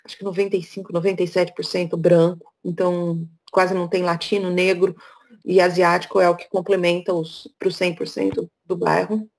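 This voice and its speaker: A woman's voice: lowish voice, little pitch movement, fairly quick, creaky. A middle-aged woman from Brazil, speaking as a guest speaker over a video call, frank and chatty. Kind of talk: casual talk on a video call.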